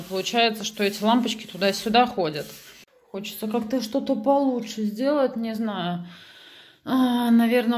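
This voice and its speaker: A young woman vlogging casually on a handheld phone, chatty and expressive, with exclamations. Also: mid-range voice. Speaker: family vlogger, mother. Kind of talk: casual vlog chat to viewers.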